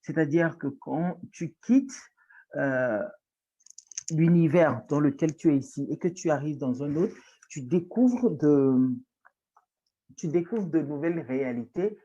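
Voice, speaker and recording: A woman with a Togolese French accent, a guest on an interview show who teaches journalism, speaking thoughtfully with pauses and restarts. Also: low-pitched, dark tone, breathy edge, lo-fi sound. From Togo. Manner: thoughtful, with frequent hesitations and restarts. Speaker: guest, writer and journalism lecturer. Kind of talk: reflective interview talk.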